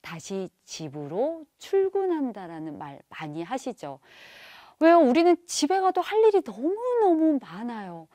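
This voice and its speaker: A woman giving a televised parenting lecture. She asks the audience rhetorical questions and acts out parents' and children's lines in quick voices. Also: on the high side, warm tone, dry recording.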